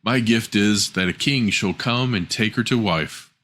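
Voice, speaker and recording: A man's voice: fairly low pitch, measured pace, fairly bright tone. Male narrator as little dwarf man, fairy-tale storybook, plain-spoken, direct. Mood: kindly. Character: three little male dwarves of the wood.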